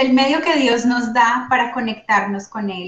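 The speaker is a woman with a high pitch. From Colombia. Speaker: real estate agent. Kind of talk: interview with personal testimony. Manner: hesitant, many fillers.

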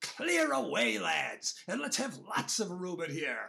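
A man speaks at a fairly slow pace.

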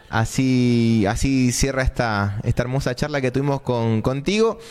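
A man talks at a medium pitch while noticeable background noise carries on. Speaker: radio co-host. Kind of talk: casual radio chat.

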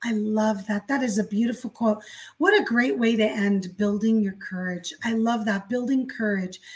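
Somewhat breathy and fairly high-pitched, a woman speaks at a moderate pace with ordinary pitch variation. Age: 50s. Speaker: podcast host and business coach. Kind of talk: interview. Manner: animated.

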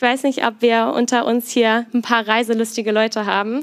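A woman with a fairly high pitch at a fairly quick pace. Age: 20s. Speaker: student teacher giving a sermon. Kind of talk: sermon. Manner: animated.

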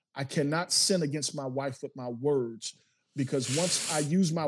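Talking at a moderate pace, a man with an American accent has an ordinary speaking voice with a fairly high pitch. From US South. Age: 50s. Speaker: police chief and preacher. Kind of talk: casual interview.

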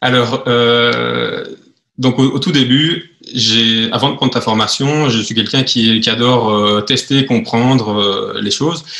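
Speaking very slowly, a man uses a medium pitch. His pitch varies in an ordinary way. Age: 40s. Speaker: online seller. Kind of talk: interview. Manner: halting, many repetitions.

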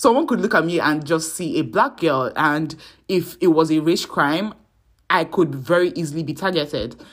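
On a very clean recording with a silent background, a woman with a Nigerian accent speaks in an animated tone at a moderate pace, her fairly low voice showing ordinary pitch variation. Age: 20s. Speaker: podcast host and nursing student. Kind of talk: casual solo podcast monologue. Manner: chatty, animated, laughs often.

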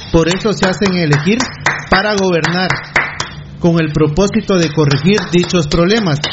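Over noticeable background noise, a man with a high-pitched voice talks at a moderate pace with ordinary pitch variation. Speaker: radio panelist. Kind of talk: heated radio discussion.

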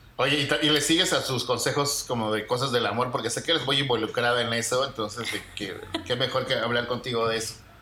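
The man's medium-pitched voice moves at a fairly quick pace with fairly even intonation, while noticeable background noise and audible room echo fill the recording. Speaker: podcast host. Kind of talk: casual chat.

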